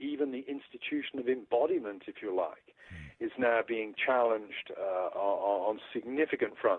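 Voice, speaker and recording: In an unremarkable speaking voice, a man speaks at a moderate pace with a medium pitch and ordinary pitch variation. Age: 50s. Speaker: professor and author. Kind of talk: interview.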